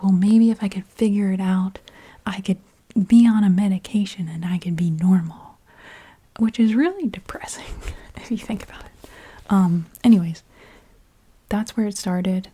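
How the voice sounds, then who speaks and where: A woman speaks in a hushed, mostly whispered ASMR style. Her voice is breathy and airy, with a very mellow, muted tone at a middling pitch. She shares a personal story informally, pausing and restarting in a confiding way. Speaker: ASMR video creator.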